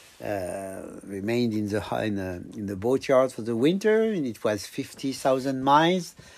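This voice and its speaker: Speaking with a French accent, a man talks at a moderate pace with lively intonation. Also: medium pitch for a man. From France. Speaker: sailboat captain. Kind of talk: casual interview. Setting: aboard a sailboat. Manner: halting.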